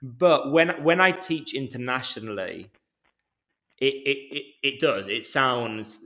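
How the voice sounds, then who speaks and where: A man from England with a mild Birmingham accent, a yoga teacher chatting as a podcast guest, speaking deliberately and a little slowly. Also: mid-range voice, bright, forceful tone. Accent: mild Birmingham English. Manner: deliberate, slowed speech for international listeners. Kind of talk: casual interview chat.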